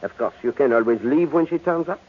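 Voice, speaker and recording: Actor as a husky French-accented gentleman detective, tinny radio. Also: medium pitch, natural voice. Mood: probing, candid. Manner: formal, measured, gently probing. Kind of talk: old-time radio drama acting. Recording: tinny, band-limited old radio recording.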